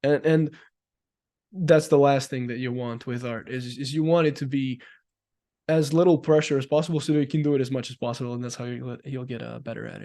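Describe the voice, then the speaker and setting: Against a quiet background, a man with a non-native accent speaks at a fairly high pitch, his intonation fairly even but his loudness swinging widely. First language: not English. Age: 20s. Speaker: illustrator. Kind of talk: interview. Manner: casual, hesitant with fillers.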